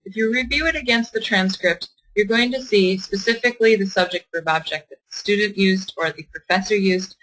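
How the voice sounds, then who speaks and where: Woman, young adult, test prep tutor, encouraging, bright, clear tone. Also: medium pitch, brisk, hardly any pauses, a little hiss or hum, low-quality recording. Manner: encouraging, asks the class questions and reads out their answers. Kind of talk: online class teaching.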